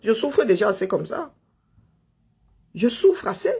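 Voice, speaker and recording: This online political commentator from Cameroon has a high-sitting voice that is gravelly, husky, and darkish, moving at a measured pace with a sing-song lilt. His impassioned political monologue is emphatic, full of rhetorical questions and phrases repeated for effect.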